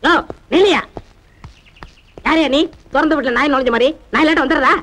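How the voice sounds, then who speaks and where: An actor playing an indignant security guard at an apartment block in a 1980s Tamil film comedy. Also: male voice, very high-pitched, brisk, fairly bright tone. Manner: touchy, indignant retorts. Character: touchy man working as an apartment security guard.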